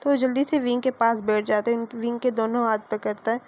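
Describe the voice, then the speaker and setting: A woman's voice: a little high, fairly even intonation, quick pace, a little mellow. A woman casually retelling a fan fiction love story, chatty and linking each line to the next speaker. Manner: chatty, links every line with "so he says".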